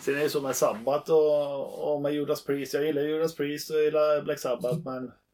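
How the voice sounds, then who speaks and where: A man talks in a fairly high pitch at a fairly quick pace with hardly any pauses. His intonation is monotone and flat. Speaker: bass player and former wrestler. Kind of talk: casual chat.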